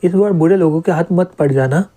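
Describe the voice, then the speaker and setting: A man voicing a calm young male city lord in a plainly read comic recap. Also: fairly high pitch, brisk, lightly acted.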